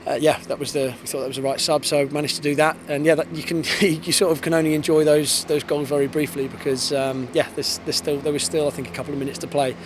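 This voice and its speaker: Fast-talking English football coach. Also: male voice, fairly high pitch, little pitch movement. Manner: fast, thoughtful, with many restarts and fillers. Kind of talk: post-match interview. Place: floodlit football pitch outdoors at night. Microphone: handheld interviewer mic. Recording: outdoor with clear background noise.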